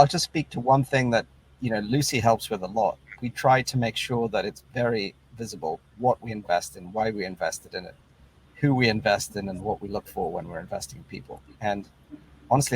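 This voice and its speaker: Low-voiced man giving measured advice. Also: a little hiss or hum, rough recording. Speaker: venture investor on a panel. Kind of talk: panel discussion.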